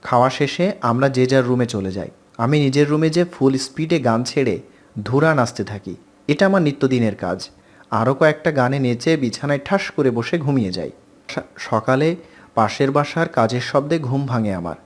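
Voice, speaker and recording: Lively male story narrator. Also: medium pitch, normal speed. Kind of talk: read-aloud romantic story narration.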